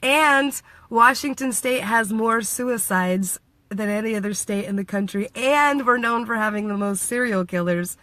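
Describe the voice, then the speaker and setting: In her casual vlog, a US vlogger from Washington State talks playfully, laughs a lot and acts out other people's words. She speaks at a measured pace in a higher, sharp-toned voice, with no room sound.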